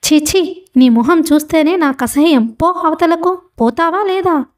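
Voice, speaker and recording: Old man, frightened, bitter, shrill, read by a woman, high pitch. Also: moderate pace, warm tone, no room sound, clean studio sound, lightly acted. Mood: panicked.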